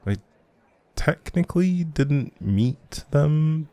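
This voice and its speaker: A man's voice: on the high side, animated, very slow, warm tone, no echo, exaggerated voice. A man playing a shy, socially anxious but friendly young writer in an intimate audio roleplay, rambling hesitantly and apologetically to the listener. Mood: rambling, musing.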